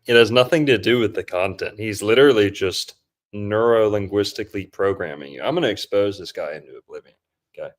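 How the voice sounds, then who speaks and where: A man's voice: on the low side, fairly quick. A young man hosting a podcast, joking and mocking as he comments over a film on a video call. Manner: joking, mocking, slips into put-on impressions. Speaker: podcast host.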